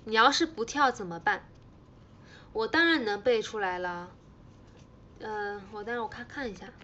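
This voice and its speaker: A woman's voice: mid-range voice, a bit bright, dull audio, a little hiss or hum. A young woman hosting a casual livestream, teasing her fans playfully and repeating herself as she chats. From China. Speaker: idol livestream host.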